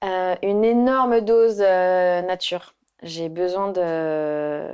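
A woman speaks at a medium pitch. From Paris region, France. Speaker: entrepreneur and solo traveler. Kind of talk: casual interview. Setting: at her home.

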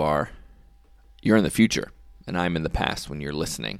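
A man's very deep, low voice with vocal fry, a relaxed tone and lively intonation. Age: 30s. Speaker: podcast host. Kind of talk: solo podcast monologue; informal guided eyes-closed visualization, breathing cue. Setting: alone in a home room with a microphone. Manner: relaxed, joking, with filler ums and laughs.

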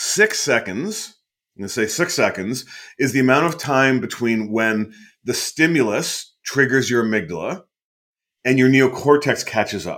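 With lively intonation and at a moderate pace, a man talks in an unremarkable speaking voice. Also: medium pitch for a man. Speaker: keynote speaker on emotional intelligence. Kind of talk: interview conversation.

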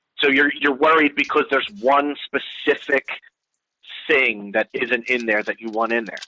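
A man speaks with a slight Northeastern US accent. His fairly high voice has a bright, sharp tone. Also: ordinary pitch variation, moderate pace, dry, close sound with no echo. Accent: slight Northeast US. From New Jersey. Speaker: novelist. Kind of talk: casual interview chat.

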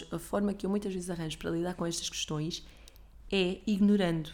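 A woman speaks with a European Portuguese accent. Her pitch is fairly low and her intonation fairly even. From Portugal, rural village near Seia. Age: 20s. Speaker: podcast host. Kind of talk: casual solo monologue.

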